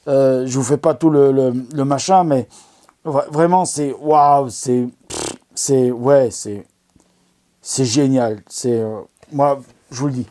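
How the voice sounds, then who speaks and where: Rambling, enthusiastic man with a mellow voice. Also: medium pitch, takes it slowly. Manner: enthusiastic, rambling, many fillers and restarts. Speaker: amateur astronomy video host. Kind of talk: casual product recommendation talk.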